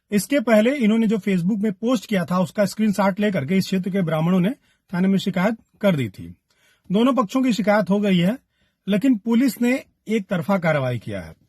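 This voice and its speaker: A man's voice: sits high, darkish tone, no echo, studio quality. A man delivering spoken news commentary, argumentative and fond of rhetorical questions. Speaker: reporter and commentator.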